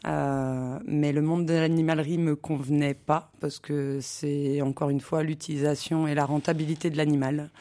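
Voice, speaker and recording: A woman from the Paris region answering radio interview questions, often pausing on filler sounds. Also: deep voice, flat delivery, mellow. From Paris region, France. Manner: hesitant, many filler sounds. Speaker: interview guest, animal care worker.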